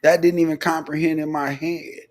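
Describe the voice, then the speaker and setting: A man's voice: a little high, little pitch movement, moderate pace. A man from Nebraska talking on a radio show in a blunt, exasperated, opinionated way. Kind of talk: casual radio chat.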